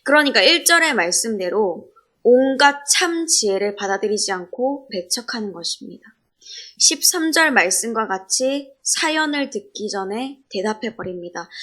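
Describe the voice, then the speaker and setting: A woman giving an early morning sermon in a calm, measured way, mixing personal stories with scripture. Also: a little high. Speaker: preacher.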